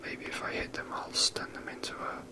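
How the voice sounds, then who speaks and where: This is a slow, loose gaming commentary, whispered softly and breathily in the manner of ASMR by someone casually rambling.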